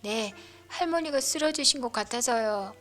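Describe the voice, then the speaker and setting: A woman's voice: fairly high pitch, animated, normal speed, fairly bright tone, faint music behind, voice pushed up. A woman voicing a busy adult grandchild in an audio story, pleading and reasoning with concern. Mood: worried. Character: busy, patient adult grandchild Minsu, soothing then worried.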